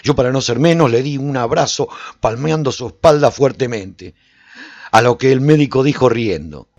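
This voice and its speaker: A man's voice: medium pitch, normal speed, darkish tone, dry recording, highs cut off. A man giving an intense, dramatic first-person narration for a radio serial.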